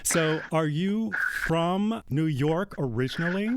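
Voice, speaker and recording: A man hosting a radio interview show, reading a measured introduction before chatting with his guest. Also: fairly high pitch, lively intonation, background noise. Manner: measured, reads credits. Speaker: radio host. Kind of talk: scripted intro then interview. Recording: music bed behind.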